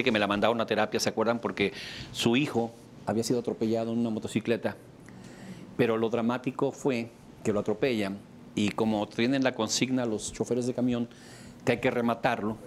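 Animated Mexican man lecturing theatrically. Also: brisk, a little hiss or hum. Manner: animated, theatrical, acts out examples with sudden pitch leaps. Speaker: therapist giving a talk. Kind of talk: lecture to a live audience.

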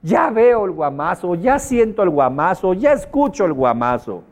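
A man's voice: high voice, big pitch swings, moderate pace, pitched above the performer's own voice. A man voicing a scared, self-pitying little boy who cries and whines. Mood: whining.

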